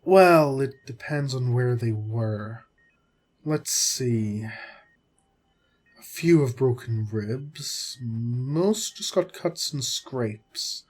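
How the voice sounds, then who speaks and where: A man acting as a caring, exasperated centuries-old doctor in an audio roleplay, with a husky voice and measured bedside manner. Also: medium pitch, a little mellow. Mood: grave, measured. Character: long-lived vampire doctor, male, caring yet exasperated. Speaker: voice actor. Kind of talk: audio roleplay drama, spoken to the listener.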